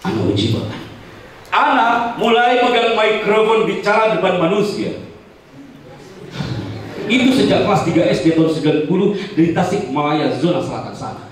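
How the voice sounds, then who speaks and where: Male motivational speaker, dramatic storyteller, upper-pitched; distant mic in a reverberant hall. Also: very animated, moderate pace, a little hiss or hum. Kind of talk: storytelling seminar talk.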